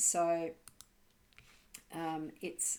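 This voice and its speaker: This is a woman with an Australian accent. Her voice is pitched fairly low. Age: 60s. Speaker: writing coach and publisher. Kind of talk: solo livestream presentation. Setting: home. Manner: halting.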